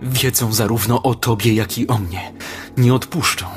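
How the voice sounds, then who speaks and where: A man's voice: medium pitch, fairly even intonation, normal speed, faint music behind, natural voice. A man voicing a frightened father who urgently pleads with his wife, as an audiobook character voice.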